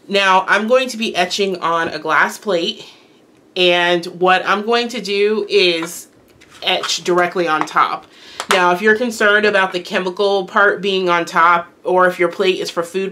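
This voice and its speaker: A woman at medium pitch and moderate pace, over noticeable background noise. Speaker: crafter. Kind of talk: casual craft tutorial talk to camera.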